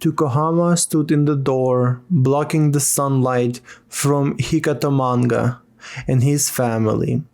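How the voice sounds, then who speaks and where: A man voices a stern, solemn keeper of tribal lore for a fantasy game. His mid-range voice moves slowly and deliberately through each grave statement. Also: medium pitch, steady tone, a little mellow, natural voice.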